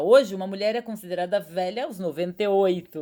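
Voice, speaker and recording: A woman speaks at a fairly quick pace. Her medium-pitched voice has a dark, mellow tone. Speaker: astrologer. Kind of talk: live stream talk. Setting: live stream.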